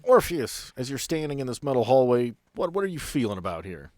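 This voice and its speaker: A man's voice: medium pitch, very animated, fairly quick, darkish tone. A man acting as game master, narrating a tabletop role-playing game informally and putting questions to his players.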